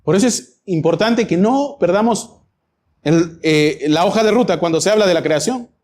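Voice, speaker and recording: High-voiced preacher. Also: male voice, lively intonation, moderate pace, darkish tone. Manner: emphatic, rhetorical questions, varying pace. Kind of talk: sermon Bible teaching.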